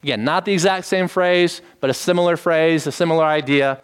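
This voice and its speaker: Smooth-voiced man preaching an expository sermon. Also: a little high. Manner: measured teaching tone with lively emphasis on key phrases. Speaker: pastor.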